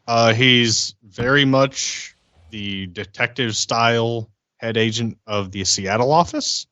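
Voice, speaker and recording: A man's voice: medium pitch, takes it slowly, bright, forceful tone, no echo. A man playing a tabletop role-playing game, talking casually and in character.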